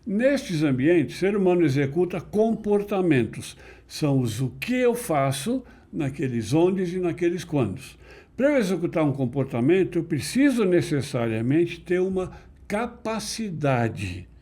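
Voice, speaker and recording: A middle-aged man being interviewed, explaining ideas in a measured, didactic way with emphatic stresses. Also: fairly high pitch, very animated, mellow. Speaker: interview guest, NLP teacher. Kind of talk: conversational explanation.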